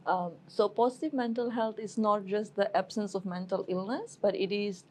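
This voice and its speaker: A woman from Fiji, a health ministry officer answering interview questions in a measured, explanatory way, often filling with "uh" and "you know". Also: mid-range voice, fairly even intonation, darkish tone, slight background noise.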